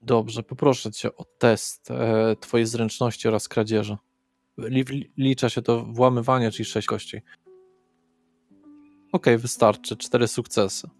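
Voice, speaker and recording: A man's voice: medium pitch, flat delivery, measured pace, dry recording. A man working as game master, narrating an improvised tabletop horror role-playing session and addressing the players directly. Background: background music.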